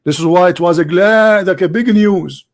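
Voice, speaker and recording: Arab speaking guy debating religion, english, keeps repeating questions, kinda high voice. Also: moderate pace. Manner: insistent, repeats questions, non-native English phrasing. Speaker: host debating religion with a caller.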